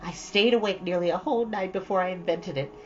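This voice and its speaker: A woman's voice: on the low side, fast talker, lightly acted. A woman voicing a dreamy, romantic, chattering young girl in a storybook, gushing with dramatic earnestness. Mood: dreamy, excited. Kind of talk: storybook read-aloud. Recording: dull, lo-fi, faint background noise.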